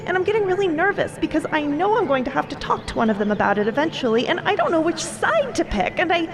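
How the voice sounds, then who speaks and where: Woman as an anxious, high-voiced young girl. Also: big pitch swings, fast talker, heavily acted. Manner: rambling, breathless run-on worrying. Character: anxious young niece, a girl, earnest and fretful. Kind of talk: fiction podcast acting.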